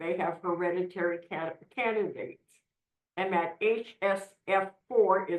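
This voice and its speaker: Speaking fairly slowly in an ordinary speaking voice, a woman keeps a medium pitch and fairly even intonation. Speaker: veterinarian and canine genetics expert. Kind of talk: webinar lecture. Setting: online webinar.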